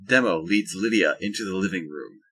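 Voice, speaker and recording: A man's voice: deep voice, fairly quick, bright, forceful tone, husky. A man narrating a scripted audio drama as its storyteller.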